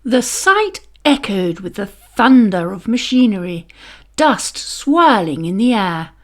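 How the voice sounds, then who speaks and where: A woman reading a children's story aloud as narrator, expressive and deliberate. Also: mid-range voice.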